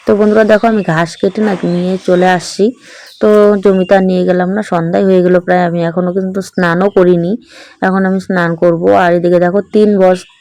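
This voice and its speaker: A woman's voice: lowish voice, a little mellow. A middle-aged woman with a Bangal Bengali accent, chatting through a casual home vlog and often checking in with her viewers. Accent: Bangal (East Bengal) Bengali. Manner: chatty, keeps checking in with tag questions. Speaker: vlogger.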